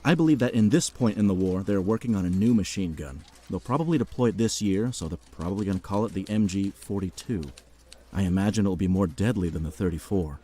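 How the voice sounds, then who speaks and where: A man's voice: sits low, a little fast, warm tone. A man voicing a cocky, street-tough American soldier in his late twenties in an audio drama, respectful to rank but full of dry bravado. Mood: serious, assured. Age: 20s.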